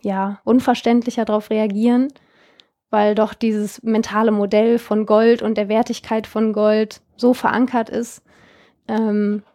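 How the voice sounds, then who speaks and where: This is a casual interview with the young German founder of a jewelry company. Her medium-pitched voice is mellow and flat, her pace measured, and her chatty replies keep stumbling into fillers and restarts.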